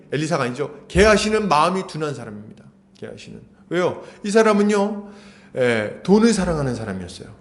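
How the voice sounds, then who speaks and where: A male pastor preaching a sermon, retelling a story animatedly with rhetorical questions. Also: high-pitched.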